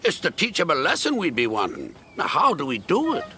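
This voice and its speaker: A man's voice: fairly high pitch, wildly swooping pitch, brisk, pitched above the performer's own voice. A man voicing indignant male twin engines.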